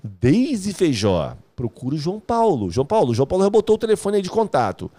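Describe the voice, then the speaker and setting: A man hosts a live stream, his fairly high voice swinging up and down a great deal. He talks fast and loose, tossing out slang and jokes and calling viewers "brother" as he reads their comments. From Rio de Janeiro, Brazil. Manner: energetic, slangy, joking, calls viewers "meu brother". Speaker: host of a live music course stream.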